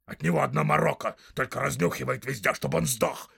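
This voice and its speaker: A man's voice: medium pitch, a little fast, vocal fry, fairly bright tone, husky, no room sound, clean studio sound, full character voice. A man voicing a small, spiteful male orc tracker who whines, mocks and snarls. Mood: snarling. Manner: whining, snarling, mocking.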